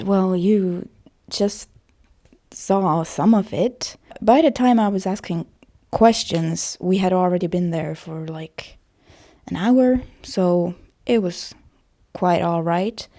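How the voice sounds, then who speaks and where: A woman talking in a casual personal vlog style, with a creaky voice and a hesitant, self-conscious, rambling manner. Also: medium pitch, takes it slowly, dark tone. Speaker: voice actor vlogger.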